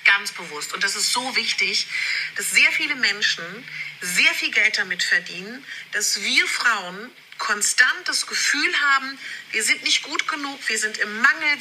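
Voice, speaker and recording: A woman's voice: on the high side, bright, forceful tone, slight background noise. A woman giving a passionate motivational talk with emphatic repetitions, heard through video audio that was re-recorded for a podcast, so the sound quality is poor. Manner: passionate, emphatic, repeats words for effect. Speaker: podcast host. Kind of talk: motivational self-love talk. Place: friend's garden shed.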